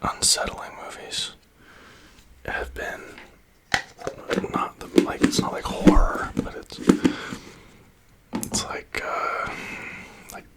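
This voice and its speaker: A man whispering casual, rambling ASMR chat close to the microphone, breathy and hesitant, often repeating words and phrases for tingles. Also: slow pace, pauses often. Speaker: ASMR video creator.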